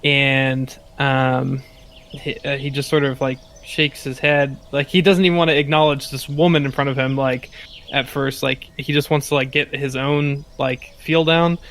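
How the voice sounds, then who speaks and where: A man playing a tabletop game, casually describing his character's actions in halting phrases peppered with "like". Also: medium pitch, little pitch movement, a bit bright. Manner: halting, heavy use of like.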